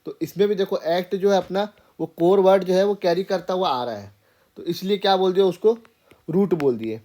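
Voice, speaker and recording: In an informal classroom lecture on grammar, a man speaks at normal speed in a high, warm voice. He breaks things down step by step and keeps asking "theek hai" to make sure his students are following.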